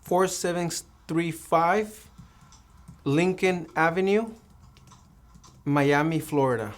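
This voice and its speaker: A man's voice: fairly high pitch, takes it slowly. Man giving short, plain interview answers. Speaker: mock citizenship applicant. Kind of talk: scripted mock interview.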